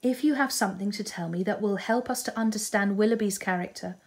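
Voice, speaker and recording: A woman voicing a composed, sensible older sister who speaks calmly and with gentle firmness. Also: mid-range voice, fairly quick, natural voice. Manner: calm, restrained, gently firm. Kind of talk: audiobook character reading.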